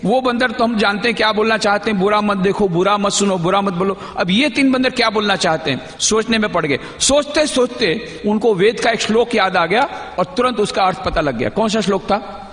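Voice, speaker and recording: High-voiced monk teaching in an echoing hall. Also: male voice, a little fast, hardly any pauses, fairly bright tone. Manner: teacherly, asks the audience questions; repeats key phrases for emphasis. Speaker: monk giving a talk. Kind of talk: talk to a youth gathering. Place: large hall at a convention. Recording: echoey hall with long reverb.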